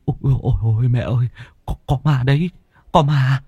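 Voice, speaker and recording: A man voicing a panicky young man who stammers and wails in a high, breathless voice in a ghost story. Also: fairly quick, dark tone, breathy edge, dry recording, dull audio. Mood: pleading. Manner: stammering, shrill wailing.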